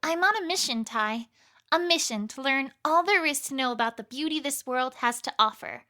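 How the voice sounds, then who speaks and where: A woman's voice: high voice, expressive, normal speed, pushed and bright. A woman voicing an eager, bookish young female student with an earnest, theatrical, determined manner in a fan fiction audio drama.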